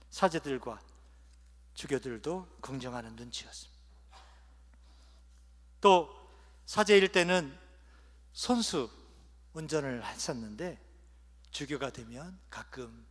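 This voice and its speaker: A man preaching as a bishop at an ordination, telling humorous stories and letting his phrases trail off softly at their ends. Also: a little high. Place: large cathedral. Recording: long cathedral reverb.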